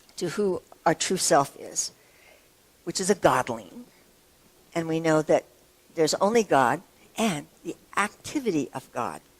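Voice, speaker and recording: Pitched fairly low, a woman talks at a fairly slow pace with lively intonation and long, frequent pauses, recorded with a dry, close sound and no echo. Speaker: minister. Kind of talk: sermon.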